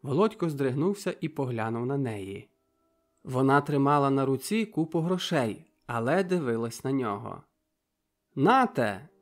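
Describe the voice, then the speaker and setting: A man reading an audiobook, narrating in a steady, measured way. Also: mid-range voice, faint music behind.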